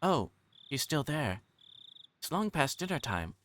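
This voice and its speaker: A man's voice: a little high, very animated, a little slow, a bit bright, pitched above the performer's own voice. A man voicing a polite, unsure young girl while reading a visual novel's dialogue aloud.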